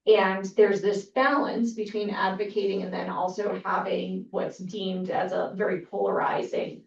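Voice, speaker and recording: Gravelly-voiced woman, distant and echoey. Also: medium pitch, little pitch movement, a little slow. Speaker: parent advocate on a commission. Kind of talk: public meeting discussion. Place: meeting room. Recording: echoey room, distant mic, dull sound.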